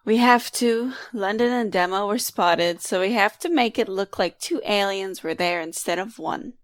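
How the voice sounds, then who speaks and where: A woman's voice: mid-range voice, normal speed, no echo, close to an everyday voice. A woman playing a take-charge adventurer in an audio drama, talking casually and decisively. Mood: brisk, urgent. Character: brisk, take-charge female time-traveling adventurer.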